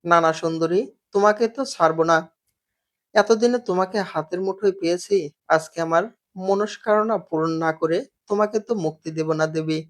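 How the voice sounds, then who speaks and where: A man's voice: high-pitched, moderate pace, lightly acted. A man voicing a playful young husband who teases with mock-dramatic scolding.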